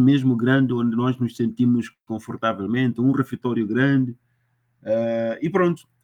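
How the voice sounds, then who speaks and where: Recorded in a dry, close sound with no echo, a man talks at a moderate pace. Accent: Mozambican. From Mozambique, Manica province. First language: a Mozambican Bantu language (speaking Portuguese). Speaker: sociologist and former workers' rights activist. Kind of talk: interview. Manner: hesitant with fillers.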